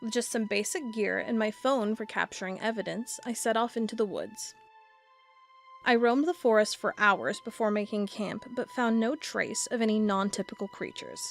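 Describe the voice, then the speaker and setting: A woman playing an earnest cryptid blogger, telling a first-person account in a measured storytelling way for an audio drama. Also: medium pitch, lively intonation, creaky, soft background music. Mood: earnest, reflective. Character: earnest female cryptid blogger, awed amateur monster hunter.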